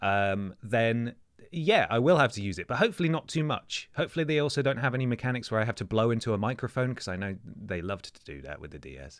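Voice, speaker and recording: Very fast, nearly pause-free speech from a man with an English accent at medium pitch, with very wide pitch swings and big swings in loudness on a very clean recording with a silent background. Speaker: video game streamer. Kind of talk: live gameplay stream. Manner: animated.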